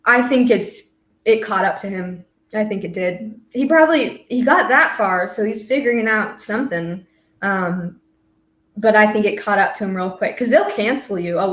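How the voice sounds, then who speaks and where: A young American woman in her twenties, a college student guest, telling a story casually with lots of fillers. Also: medium pitch. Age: 20s. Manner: rambling, filler-heavy storytelling. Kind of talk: casual conversation. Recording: roomy echo.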